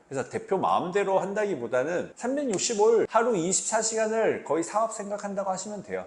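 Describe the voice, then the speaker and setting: With hardly any pauses, a man talks at a fairly quick pace in a high pitch with ordinary pitch variation, over noticeable background noise. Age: 30s. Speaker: former office worker turned business owner. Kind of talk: casual talk to camera.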